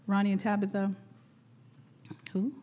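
A middle-aged woman leading a church gathering, chatty and laughing often, her voice going hoarse. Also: medium pitch, flat delivery, measured pace, mellow. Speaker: church leader. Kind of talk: warm casual church greeting and exhortation.

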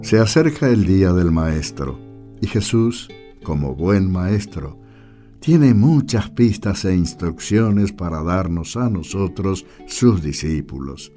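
A man's voice: low voice, lively intonation, takes it slowly. An Argentine man presenting a scripted religious radio programme as narrator, over guitar music. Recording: soft guitar music behind.

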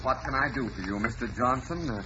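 An actor playing a flustered husband caught between two wives, stammering through a 1940s radio drama. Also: male voice, medium pitch, expressive, brisk, natural voice. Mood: hearty. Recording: dull old radio broadcast with hiss.

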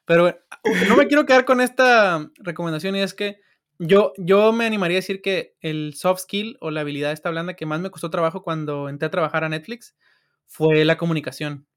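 A young Mexican man with a high, light voice talks in a loose, slangy way and laughs easily. He speaks casually as a guest on a podcast. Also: brisk, a bit bright. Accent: Mexican Spanish. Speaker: software engineer guest.

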